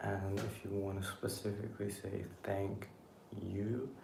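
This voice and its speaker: Soft-spoken and fairly low in pitch, a man talks at a very slow pace against noticeable background noise. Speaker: ASMR content creator, language lesson host. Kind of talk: soft-spoken ASMR language lesson. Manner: soft-spoken, quiet.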